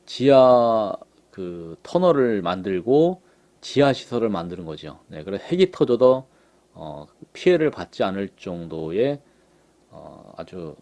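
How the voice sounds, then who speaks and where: Male commentator, conversational, unhurried, filler-heavy delivery. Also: medium pitch, dark tone. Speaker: political commentator. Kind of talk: casual commentary on images.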